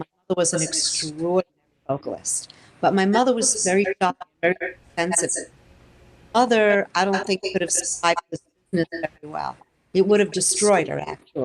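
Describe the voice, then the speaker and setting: A woman with a New York accent, medium pitch and ordinary pitch variation, at a fairly quick pace, with a dry, close sound and no echo. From Brooklyn, New York. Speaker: singer and actress. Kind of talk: interview answer.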